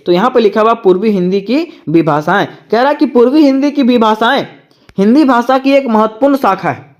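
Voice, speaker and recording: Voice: mid-range voice, animated, brisk, dull audio. A teacher giving an exam-prep lecture who reads from notes, explains each point in plain words, and keeps turning it into a question for the listeners before answering it.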